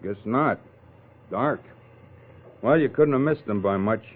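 Easygoing slangy neighbor, familiar, colloquial, medium pitch, thin 1940s radio audio. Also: male voice, measured pace, husky. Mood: breezy, casual. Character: breezy, slangy neighbor guy. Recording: tinny 1940s radio broadcast.

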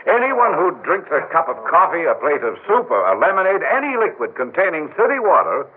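A man's voice: a little high, sing-song, brisk, husky. An actor playing an earnest, driven scientist in a 1960s radio drama, who pleads his case with intensity. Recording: tinny old radio broadcast.

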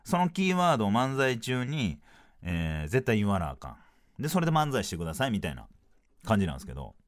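A man with a Kansai accent, hosting a podcast and telling a story in a casual, animated way. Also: quick pace. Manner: animated, sing-song delivery with swooping pitch. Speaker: podcast host, comedian.

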